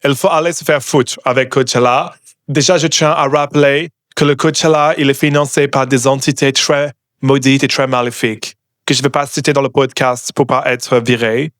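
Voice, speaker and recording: A man's voice: mid-range voice, steady tone, moderate pace, fairly bright tone, dry recording, studio quality, lightly acted. A man from Bordeaux hosting a comedy podcast, putting on a fake American accent in French, rude and mock-apologetic, dropping English words in. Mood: snarky. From Bordeaux, France. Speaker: podcast host.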